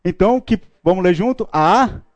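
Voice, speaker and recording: A man's voice: fairly high pitch, lively intonation, normal speed, warm tone, no room sound, muffled recording. A man teaching a Bible class, joking and playful with his students. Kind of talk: classroom lecture. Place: classroom with a live audience.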